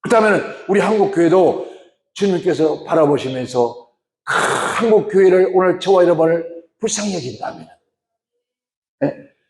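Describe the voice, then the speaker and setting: A man's voice: sits high, expressive, normal speed. A male pastor preaching a sermon, often questioning the congregation. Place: church. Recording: echoey church hall.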